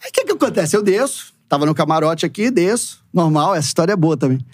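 A man's voice: on the high side, fast talker, no echo, studio quality. A man with a Brazilian Portuguese accent telling football stories in a casual interview, acting out quoted dialogue. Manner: animated, acts out quoted dialogue, frequent "né" and "e tal". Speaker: football coach, podcast guest.

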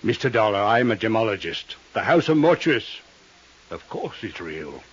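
Pompous theatrical jeweler, husky voice, florid and vain, dull 50s radio sound. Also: male voice, fairly low pitch, big pitch swings, moderate pace. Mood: scornful. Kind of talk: 1950s radio drama acting. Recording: dull vintage 1950s radio recording.

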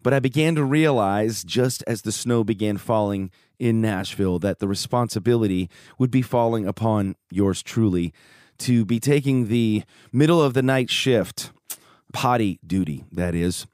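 A man with a hoarse voice hosting his podcast, upbeat and joking in casual chat. He grew up in Chicago. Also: fairly low pitch, normal speed, darkish tone, dry recording, clean studio sound. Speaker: podcast host. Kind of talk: casual podcast monologue and interview. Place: home studio.

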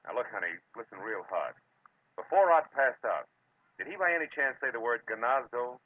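An actor with an American accent playing a tough, sardonic private detective in a 1940s radio drama. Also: male voice, mid-range voice, animated, normal speed, no room sound, lightly acted. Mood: brisk, urgent. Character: hard-boiled, wisecracking male private detective narrating his case. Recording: muffled, noisy vintage radio recording.

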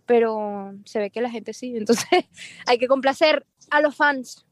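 A woman singer being interviewed, talking casually in a lively, quick way. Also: on the high side, no echo. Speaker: singer guest.

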